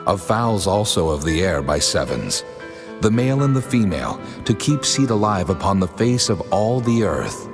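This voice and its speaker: A mighty, solemn God, acted by a man, speaks in a low male voice that rolls through a long cavernous reverb. The delivery is declamatory and measured, as in dramatized scripture, with music clearly underneath. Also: very animated. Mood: grave, commanding.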